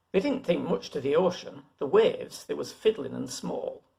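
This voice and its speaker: A man at a moderate pace with a Lancashire accent. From Lancashire, England. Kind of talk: poetry reading.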